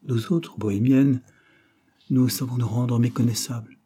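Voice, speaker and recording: A man's voice: mid-range voice, steady tone, unhurried, mellow, slight background noise, close to an everyday voice. A man voicing a young noble woman, a passionate gypsy queen, in an audiobook reading, with a raised, confiding manner. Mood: scheming. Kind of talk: audiobook character voice.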